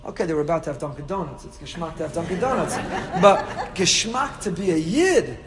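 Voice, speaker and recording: A man's voice: on the high side, a little fast, a crowd in the background. A man with a Yiddish-inflected American Orthodox Jewish accent gives an impassioned, rhetorical sermon as a rabbi, sprinkling in Yiddish and Hebrew and repeating phrases for effect. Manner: animated, rhetorical repetition, peppers speech with Yiddish and Hebrew. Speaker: rabbi giving a Torah lecture. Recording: reverberant hall.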